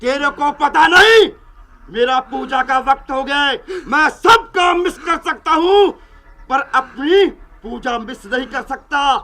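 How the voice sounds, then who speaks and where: Guy doing a boastful exorcist, very high strained voice, yelling threats slowly. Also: expressive, exaggerated voice. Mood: blustering. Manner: blustering, booming threats. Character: pompous male exorcist, boastful and theatrical.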